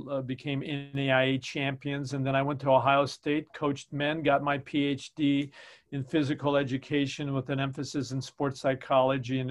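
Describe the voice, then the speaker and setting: A man's voice: medium pitch, creaky. An older man, a volleyball coach who grew up in Chicago, telling his long career story in a casual interview with many ums and uhs. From Chicago, United States.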